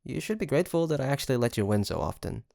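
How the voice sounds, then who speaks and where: A sweet young male roommate, acted by a man in an intimate audio roleplay. His voice has a creaky edge and swings with lively pitch as he teases his best friend. The sound is dry and close. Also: rapid-fire, no room sound. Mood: playful, mock-grand. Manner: teasing, chuckling, mock-grandiose storyteller.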